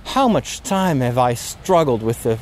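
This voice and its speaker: Hoarse-throated man thinking aloud, halting. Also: medium pitch, very animated, a little mellow, slight background noise. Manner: halting, many restarts and fillers, frustrated. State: sore throat. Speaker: podcast host. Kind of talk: casual spoken reflection, walking outdoors. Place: outdoors in a park near road works.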